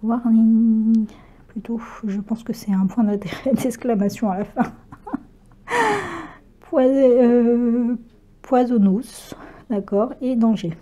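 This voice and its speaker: A craft vlogger chats casually while unboxing a haul, hesitant and full of fillers and self-corrections, often laughing at herself. Her voice sits on the high side, animated yet unhurried, with long pauses and a dark, slightly rough tone.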